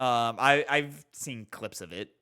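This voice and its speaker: A man's voice: mid-range voice, a little slow, pushed and bright. A man co-hosting a podcast, talking casually and emphatically with some swearing as he plays a movie quiz. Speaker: podcast co-host and quiz contestant.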